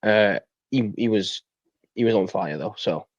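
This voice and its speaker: A young man speaks in a lowish voice as a podcast guest. The sound is dry and a little dull, and his delivery is casual and conversational. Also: unhurried, dry recording. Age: 20s. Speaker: fan guest. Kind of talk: casual interview chat.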